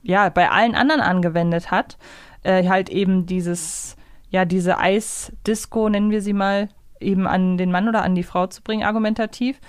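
Female podcast co-host, medium pitch, conversational and analytical, close dry sound. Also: fairly even intonation, moderate pace, clear, resonant tone, dry recording.

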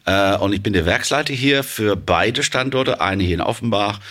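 A man's voice: lowish voice, normal speed, fairly bright tone. A man from England with an English accent, a plant manager answering interview questions hesitantly, with many fillers.

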